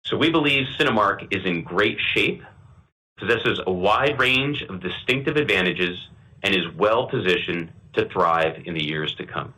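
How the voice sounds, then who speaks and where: A man reading prepared remarks as a company executive on an earnings call, in a formal, measured corporate manner. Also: low-pitched, lively intonation, pushed and bright, low-quality recording. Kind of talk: scripted earnings call presentation.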